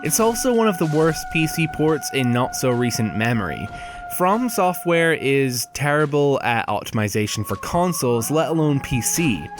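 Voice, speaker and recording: A man narrating a video game review in a casual, scripted style, blunt and casually profane. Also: a little high.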